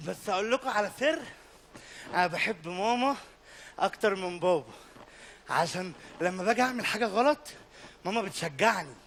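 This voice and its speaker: A man's voice: very high voice, expressive, fast, fairly bright tone, a little hiss or hum, pitched above the performer's own voice. A man voicing a naughty, scared little boy who whines, pleads and rants in a stand-up comedy act. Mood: confiding. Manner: whiny, pleading rant.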